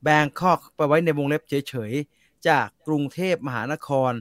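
Blunt, crude-joking man, fairly high voice. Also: fairly even intonation, slow pace, a bit bright, no echo, clean studio sound. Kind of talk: casual chat.

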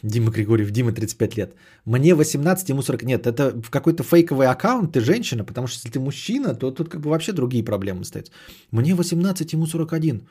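A man's voice: mid-range voice, animated, fast talker, mellow, slightly rough. A man hosting a podcast, chatting casually and sardonically as he answers audience messages, often swearing and repeating phrases. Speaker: podcast host.

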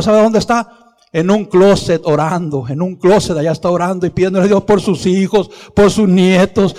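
A man's voice: high-pitched, a little mellow, long reverb tail. A middle-aged man from Mexico preaching a sermon testimony, impassioned and repeatedly calling out to his brothers in the congregation. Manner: impassioned, repeatedly addresses "hermano".

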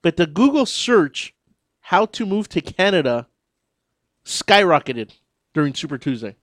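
An American man co-hosting talk radio, his fairly high voice bouncing up and down as he cracks sarcastic jokes. The studio sound is dry and close. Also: a little slow, no echo. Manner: joking, sarcastic, animated. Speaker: co-host. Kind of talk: casual radio banter.

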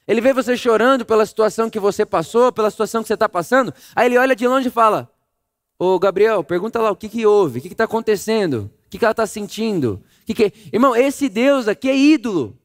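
A man preaching a sermon, telling the story vividly and swinging from loud emphasis to a hush. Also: high-pitched, quick pace. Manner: animated storytelling, acting out voices, swings between loud and hushed.

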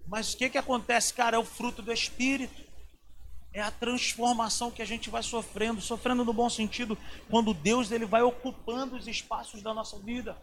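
A man's voice: extremely high pitch, steady tone, a little fast, a bit bright, slight background noise. A man from Rio, a pastor preaching an informal sermon in a colloquial, slangy storytelling manner with dramatic swings.

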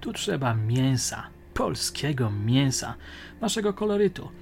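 A man's voice: mid-range voice, very animated, a little slow, creaky. A man doing a musing police chief. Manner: musing, muttering.

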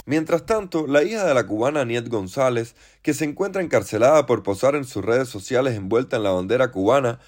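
A man's voice: medium pitch, darkish tone. A man hosting a podcast, reading scripted news in a formal narrating style.

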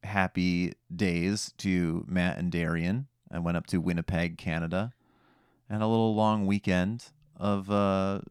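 Low-voiced man joking on a podcast. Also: steady tone, unhurried, smooth, dry recording. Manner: playful, dry joking. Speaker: podcast co-host. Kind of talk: casual comic podcast chat.

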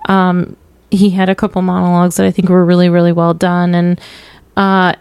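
A woman's voice: on the low side, completely flat delivery, moderate pace, creaky, darkish tone, smooth. A woman co-hosting a podcast, chatting casually and opinionatedly with lots of fillers. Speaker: podcast co-host. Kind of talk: casual film review chat.

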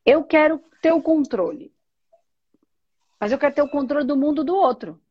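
Speaking at a moderate pace in a voice that sits high, a woman discusses spirituality in a reflective way, answering the very questions she asks. She is a spiritual teacher, and the recording has a lo-fi quality.

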